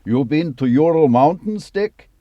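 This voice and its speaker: Man putting on a loud, growling Russian crook. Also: a little high, lively intonation, measured pace, no echo, lo-fi sound, voice pushed up. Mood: excited shouting. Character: loud, coarse Russian crook, gruff and foul-mouthed. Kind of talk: audiobook character voice.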